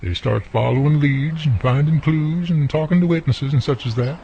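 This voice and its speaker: A man's voice: a little high, normal speed, creaky, dark tone, a little hiss or hum. An actor playing a friendly, plainspoken country handyman neighbor with an American country accent, talking folksily in a radio drama. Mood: wary, firm. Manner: folksy, colloquial, drawling turns of phrase. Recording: muffled, lo-fi audio.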